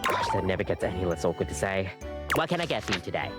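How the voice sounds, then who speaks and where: A woman playing an awkward, nervous but eager-to-please barista in a video game, with halting customer-service cheer. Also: very deep voice, big pitch swings, over loud music. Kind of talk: video game character acting.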